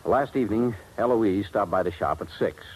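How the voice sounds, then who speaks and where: An actor playing a shaken, aggrieved American jeweler facing ruin in a 1950s radio drama, with a plaintive manner. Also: male voice, fairly low pitch, animated, moderate pace, a little mellow, slightly rough, rough recording. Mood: earnest, recounting. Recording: old radio recording with faint noise.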